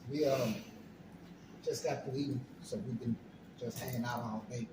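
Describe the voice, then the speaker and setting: An African American man hosting a relaxed, informal chat, clearing his throat often, recorded on a phone at home. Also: mid-range voice, normal speed, roomy sound, background noise. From United States. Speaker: host. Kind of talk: casual conversation.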